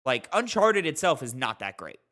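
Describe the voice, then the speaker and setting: A man's voice: a little high, sing-song, moderate pace, pushed and bright. A man co-hosting a podcast, talking casually and emphatically with some swearing as he plays a movie quiz. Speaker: podcast co-host and quiz contestant.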